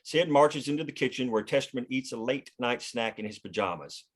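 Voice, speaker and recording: A man's voice: mid-range voice, a little fast. A man reading scripted screenplay stage directions as the narrator of a table read.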